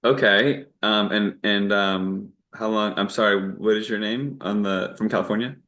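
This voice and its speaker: A man's voice: fairly low pitch, fairly even intonation, moderate pace, bright, forceful tone. A man from Virginia with an American accent, chatting informally as an interview guest, meandering with false starts. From Virginia, United States. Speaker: interview guest, documentary filmmaker. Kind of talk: casual chat.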